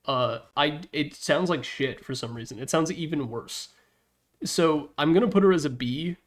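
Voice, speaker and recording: This man's voice sits on the high side, and he moves at a moderate pace while presenting a tier list ranking video. His commentary is relaxed, opinionated, a little profane, and full of wry asides.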